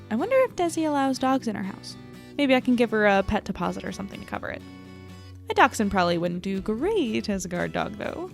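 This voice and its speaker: Woman acting as anxious twenties reporter gal, audio drama diary, dry and rambly, lots of vocal fry, music underneath. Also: mid-range voice, lightly acted. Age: 20s. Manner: wry, rambling, self-deprecating. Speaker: narrator and lead character. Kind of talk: audio drama diary monologue, casual and conversational.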